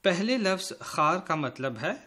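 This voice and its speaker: A man teaching a school lesson to children, speaking slowly and spelling out words letter by letter as he addresses the pupils directly. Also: sits high, expressive, pushed and bright. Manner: slow, careful spelling out of letters.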